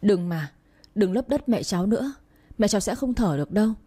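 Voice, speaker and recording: A woman voicing a grieving young girl who shouts and sobs at the adults around her. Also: mid-range voice, expressive, a little fast, slightly rough. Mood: sobbing. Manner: pleading, crying outbursts.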